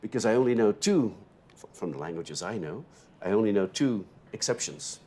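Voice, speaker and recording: A low-pitched man with a Dutch accent, speaking English as a second language in a university lecture. He works through his points by thinking aloud, turning to the room with little "no?" and "huh?" tags. His loudness rises and falls sharply from one phrase to the next. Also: animated, normal speed, slight background noise. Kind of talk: opening lecture to graduate students.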